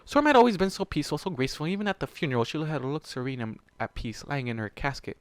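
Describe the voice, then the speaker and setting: A man's voice: on the high side, animated, quick pace, no room sound. A man reading a story aloud dramatically as a channel host, emotionally invested and dropping casual, profane reactions. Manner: emotionally invested, exasperated asides. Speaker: fan fiction reader and channel host.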